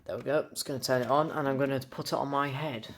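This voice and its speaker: A young man with a medium-pitched voice chats through an informal review. He is keen and rambling, circling back over his own words as he goes. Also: fairly even intonation, quick pace, a little hiss or hum. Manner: rambling, enthusiastic, repeats himself. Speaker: toy reviewer. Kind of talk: casual unscripted review vlog.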